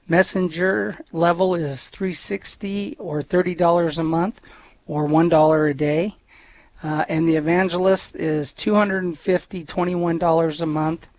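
A man co-hosts a live radio fundraiser, reading out giving levels with plenty of "uh"s. His voice is a bit high for a man and sounds dry and close to the mic. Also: darkish tone, no room sound. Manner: plain, filler-heavy listing of figures.

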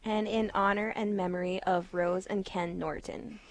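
A woman's voice: mid-range voice, steady tone, moderate pace, soft background music. A woman co-hosting a radio fundraiser, reading out donors in an upbeat way and giggling often. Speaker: radio co-host. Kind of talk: reading donor names on air.

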